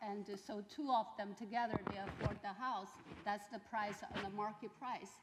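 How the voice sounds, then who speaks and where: At a moderate pace, a woman of medium pitch talks. There is noticeable background noise. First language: not English. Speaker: landlord applicant. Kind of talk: public hearing testimony. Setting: public board meeting. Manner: halting.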